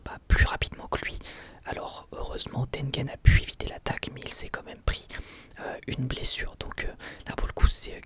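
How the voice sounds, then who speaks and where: A man's voice: medium pitch, sharp tone. A man whispering an informal, hesitant ASMR-style review. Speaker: ASMR YouTuber reviewing anime.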